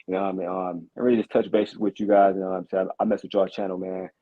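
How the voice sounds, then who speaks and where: A man's voice: sits low, flat delivery, fast talker. Earnest man on a tinny phone line. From Detroit. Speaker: caller. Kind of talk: casual live-audio chat.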